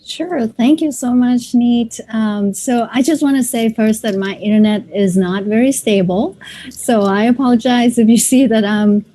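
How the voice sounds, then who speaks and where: A woman from Thailand, a clinical psychologist, speaks over a video call in a higher, mellow voice. She introduces her work in a friendly way, with plenty of ums. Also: moderate pace. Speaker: clinical psychologist and faculty member. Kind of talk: online seminar introduction.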